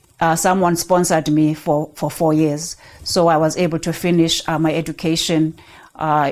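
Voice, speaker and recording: A woman with a South African accent speaks at a moderate pace in a fairly low pitch, her intonation monotone and flat. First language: Xhosa. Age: 70s. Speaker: immigrant. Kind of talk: interview. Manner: halting.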